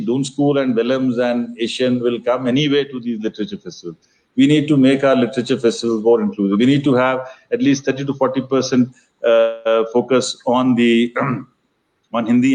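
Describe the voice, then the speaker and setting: A man's voice: mid-range voice, darkish tone, poor audio. An older man with an educated Indian accent explains things conversationally in an interview, articulate and formal in vocabulary, circling back and repeating phrases as he goes. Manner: discursive, halting, repeats phrases while explaining. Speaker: interview guest, festival organiser.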